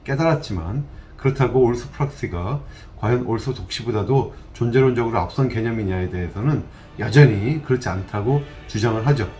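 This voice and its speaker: A man lecturing as a professor of systematic theology, speaking in a measured way and putting rhetorical questions to his students. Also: mid-range voice, dark tone, soft background music. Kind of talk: recorded university lecture.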